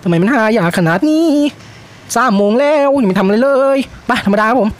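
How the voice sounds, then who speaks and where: A man's voice: sits high, expressive, a little fast. A man giving playful, jokey commentary on his own racing game, chattering to himself and slipping into mock race-caller patter. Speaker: mobile racing game streamer. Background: game music.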